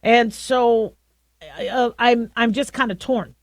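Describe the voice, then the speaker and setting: A middle-aged woman with a deep voice hosting a talk radio show, talking through her views in a conversational way with frequent restarts. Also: fairly even intonation, no echo. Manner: conversational, halting with many restarts. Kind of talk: opinionated talk radio monologue.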